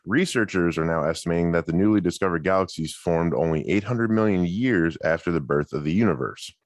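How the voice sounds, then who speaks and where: A man's voice: sits low, fairly quick, no room sound, studio quality. A man hosting a casual comedy podcast, joking and then reading science news aloud, sometimes stumbling over hard words. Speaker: podcast host. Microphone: video call.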